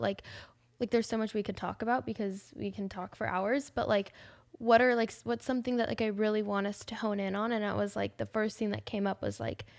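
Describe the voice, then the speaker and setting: A young woman in her twenties hosting a faith podcast, talking casually and warmly with lots of "like" fillers. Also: mid-range voice, vocal fry. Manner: chatty, many "like" fillers, emotional. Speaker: podcast host. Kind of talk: casual heartfelt chat.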